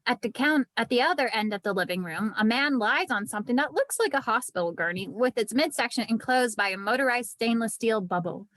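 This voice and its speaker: Female narrator for script directions, fairly high pitch, dry recording. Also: animated, brisk, few pauses, a bit bright, no room sound. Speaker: narrator reading stage directions.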